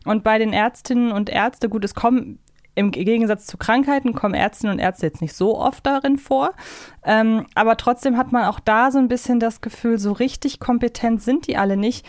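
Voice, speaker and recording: A woman's voice: fairly high pitch, brisk, a little mellow, no echo, clean studio sound. A woman co-hosting a podcast, talking casually in a reflective, conversational way. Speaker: podcast co-host. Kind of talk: casual chat.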